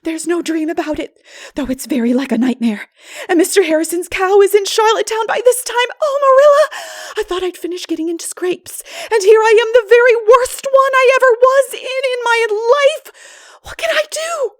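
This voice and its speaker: A woman's voice: very high voice, normal speed, voice pushed up. A woman voicing an impulsive, melodramatic, talkative teenage girl in a breathless, exclamatory audiobook reading. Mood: distraught. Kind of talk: dramatic audiobook character voice.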